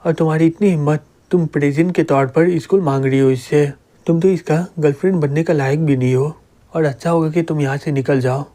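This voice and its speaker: A man's voice: a little high, fairly even intonation, brisk, warm tone, natural voice. A man reading a fierce, scolding young noblewoman. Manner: scolding, commanding. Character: fierce young woman, loyal noble student.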